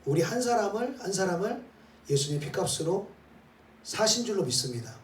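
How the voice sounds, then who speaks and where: Male pastor, slightly high voice, roomy church room, a bit off the mic, faint hum behind, preaching with rhetorical questions. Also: very animated, normal speed. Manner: rhetorical questions with repeated "eh?" tags; leads the congregation in reading scripture aloud. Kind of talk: sermon. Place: church sanctuary. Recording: roomy hall, voice from some distance, faint ambience.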